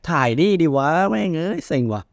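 A man hosts a movie news show and chats casually, blunt, slangy and excitable. His voice sits a little high and rattles along at a quick clip. It is recorded dry and close. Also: vocal fry, no echo. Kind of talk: casual chat.

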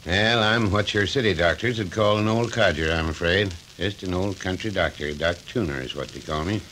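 An older actor playing a genial, coaxing retired country doctor in a 1940s radio drama. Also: male voice, deep voice, normal speed, a bit bright, low-quality recording. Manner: soothing, folksy, coaxing. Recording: old radio recording with faint hiss.

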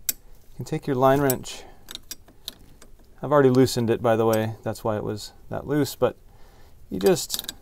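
A man's voice: medium pitch, a little mellow, a little hiss or hum. A man hosting a DIY car repair video, explaining each step in plain words as he works with his hands. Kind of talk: hands-on tutorial narration, talking while working.

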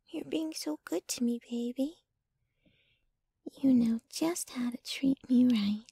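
A woman as jealous yandere girlfriend, high voice, slow delivery, possessive, doting, intimate ASMR roleplay. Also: mellow, no echo, heavily acted. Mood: tender, doting. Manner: intimate, dramatic, swinging between ranting and breathy murmuring.

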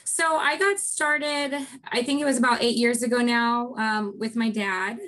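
Guest presenter, American woman, thirties, voice hoarse and giving out, casual conversational delivery over a video call. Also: on the high side, a little slow, a bit bright. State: hoarse, losing her voice. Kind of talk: casual interview talk. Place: indoor room, video call. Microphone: computer video-call microphone.

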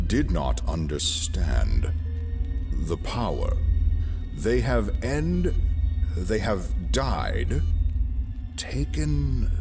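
An actor playing an imperious, scholarly villain lord in a sci-fi audio drama, deliberate and brooding, pausing between phrases. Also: male voice, on the low side, exaggerated voice. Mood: ominous, reverent. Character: imperious, scholarly villainous male lord, obsessed with ancient power.

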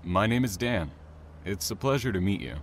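A man playing a reserved, bookish train worker in an audio drama, speaking formally, measured and dry. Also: on the low side, animated. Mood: polite, reserved. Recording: clear background ambient noise.

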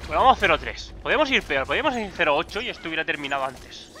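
Excitable high-voiced Spanish gamer. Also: male voice, fast, faint music behind. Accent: Peninsular Spanish. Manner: excitable, swearing, frequent loud outbursts. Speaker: gaming YouTuber. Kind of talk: live gameplay commentary.

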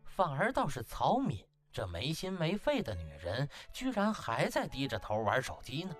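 A man's voice: a little high, huge pitch swings, normal speed, fairly bright tone, faint music behind. A man narrating an audiobook as dramatic scripted storytelling, in a theatrical, emphatic manner.

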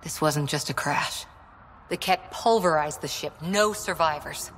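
A determined soldier lieutenant. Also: female voice, deep voice, measured pace, slight background noise. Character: tough female military lieutenant, driven and loyal. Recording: game audio with soft music behind.

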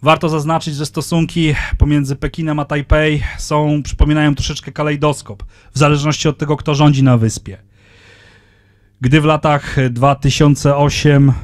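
A man in his thirties giving a conference lecture into a handheld microphone, speaking in a measured way with frequent hesitations. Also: fairly high pitch, darkish tone, no echo, clean studio sound. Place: lecture room, indoors.

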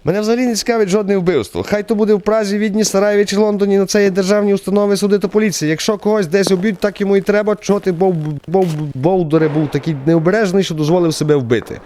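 A man playing an indignant, dismissive bar patron in a radio drama, talking in a quick, emphatic, argumentative way. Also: high-pitched, fairly even intonation, mellow, voice pushed up, close to an everyday voice. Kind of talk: radio drama character acting.

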